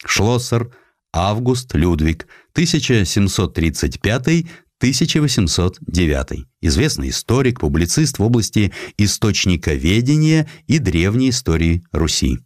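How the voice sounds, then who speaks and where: A man reading a historical essay as an audiobook narrator, in an expressive, measured literary manner with distinct pauses. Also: lowish voice, dry recording, clean studio sound.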